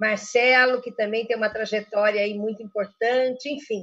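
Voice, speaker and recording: Fairly slow, fairly even speech from a woman, her voice pitched fairly high. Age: 60s. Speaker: former government minister, social worker. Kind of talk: panel discussion. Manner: halting.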